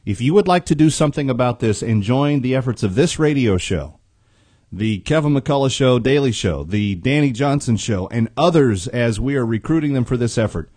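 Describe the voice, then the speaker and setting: A man's voice: medium pitch, a little mellow, dry recording. An American man hosting talk radio on a close studio microphone, earnest and emphatic, repeating key phrases for weight. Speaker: radio host.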